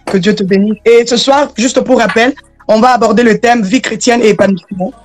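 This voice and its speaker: A woman's voice: a little high, fairly quick. Woman hosting a gospel live stream. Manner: warm greetings and frequent amens. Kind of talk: casual live-stream chat. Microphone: video call.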